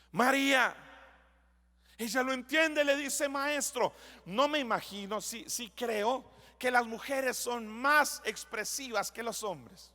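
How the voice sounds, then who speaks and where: A man preaching a language sermon as a pastor, reading scripture slowly and building to emphatic declarations. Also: very high voice, sharp tone. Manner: reads scripture slowly, then preaches with rising intensity. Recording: long church hall reverb.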